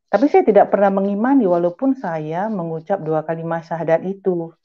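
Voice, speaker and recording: A woman's voice: fairly low pitch, fairly quick, lo-fi sound. A middle-aged woman giving an earnest, emphatic personal religious testimony, slipping in English phrases. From Malaysia. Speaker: testimony giver.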